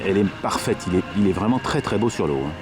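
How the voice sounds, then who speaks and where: Lively man interviewing, music behind. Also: fairly low pitch, fast talker. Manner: enthusiastic, admiring. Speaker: interviewer filming a hobbyist video. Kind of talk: casual spoken interview. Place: outdoors beside a model boating pond.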